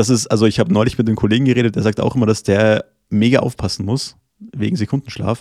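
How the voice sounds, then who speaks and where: At a very fast pace, a man talks in a dark, mellow tone with fairly even intonation and a dry, close sound with no echo. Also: medium pitch for a man. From Austria (German parents). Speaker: podcast co-host. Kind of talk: casual chat.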